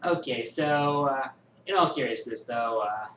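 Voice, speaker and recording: A man hosting a viewer question show, musing and thinking aloud with many pauses in casual chat. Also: mid-range voice, fairly bright tone, distant mic, a little hiss or hum. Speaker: host answering viewer questions. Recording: echoey room, voice a bit off-mic, faint ambience.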